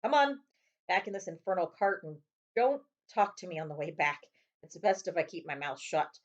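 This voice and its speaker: A woman voicing a big, gruff but kindly man with folksy, clipped rustic phrasing in a storybook. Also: on the low side, big pitch swings, moderate pace, muffled recording. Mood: irritable.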